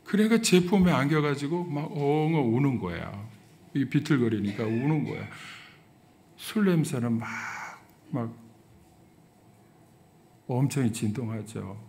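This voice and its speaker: A middle-aged man, a pastor, preaching a sermon and telling a story, his voice swinging from soft to loud. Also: medium pitch, expressive, unhurried, pauses often, slight background noise.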